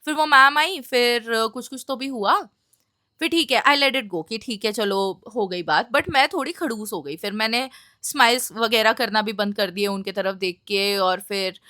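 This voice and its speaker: A young woman tells a personal story in a casual storytime vlog. She is animated and slips English phrases into her talk. Her voice is high and bright, and the sound is dry and close. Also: no room sound. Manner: animated, mixes Hindi and English. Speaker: vlogger.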